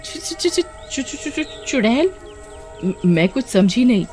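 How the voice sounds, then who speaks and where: एक औरत बच्चों की कहानी में गांव की एक चिंतित, प्यार करने वाली माँ की आवाज़ कर रही है, जो बेटी को दिलासा देती है।. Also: female voice, mid-range voice, lively intonation, moderate pace, darkish tone, soft background music, natural voice. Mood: astonished. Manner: comforting, stammering when shocked. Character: worried loving village mother. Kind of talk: children's storybook voice acting.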